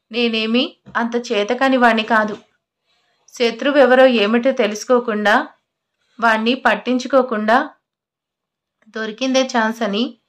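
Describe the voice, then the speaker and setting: A woman's voice: on the high side, natural voice. Woman voicing a stubborn, hot-tempered young husband. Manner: scolding, then tenderly apologetic.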